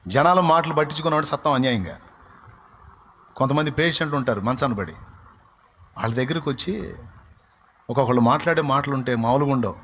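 A man's voice: mid-range voice, fast, pauses often, a bit bright, a little hiss or hum. Emphatic man preaching a sermon. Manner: emphatic, rhetorical questions, dramatic. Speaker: pastor.

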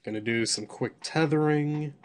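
With a hoarse edge to his voice, which sits on the high side, a man talks through a piece of software at normal speed. He thinks out loud as he goes and lets a curse slip when something catches him off guard.

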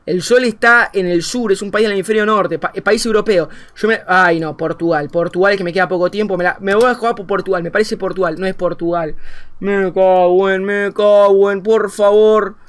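Commentating a game as a streamer, this young man speaks with an Argentine Spanish accent. His voice sits high and runs a little fast with few pauses as he thinks aloud, swinging between quiet muttering and excited outbursts.

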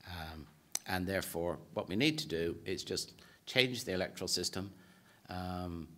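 A low-voiced Irish man in his sixties lectures from a podium in a conference hall. He speaks in a measured, hesitant way, full of "uh" and restarts as he works through his points. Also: animated, fairly bright tone. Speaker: political science professor giving a presentation. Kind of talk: formal lecture talk. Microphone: podium microphone.

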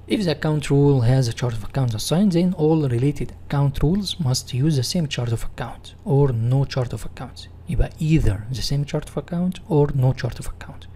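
A man with an Egyptian Arabic accent giving a software tutorial in non-native English, reading and rephrasing as an instructor. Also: mid-range voice, brisk, few pauses.

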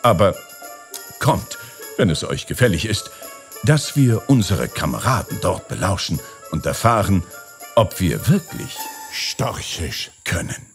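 A man's voice: low voice, very animated, measured pace, soft background music, heavily acted. A man voicing a courteous, eager grand vizier turned into a stork, speaking deferentially. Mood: courtly. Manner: polite, deferential.

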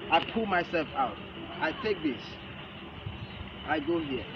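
Man, self-defense instructor, halting repeated short phrases, muffled distant camera audio, very noisy open-air setting. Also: fairly high pitch, sing-song. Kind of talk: hands-on demonstration lesson. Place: large open concrete outdoor arena with stepped stands. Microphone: camera a few metres away. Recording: muffled outdoor camera audio, loud ambient noise. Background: loud outdoor ambient noise.

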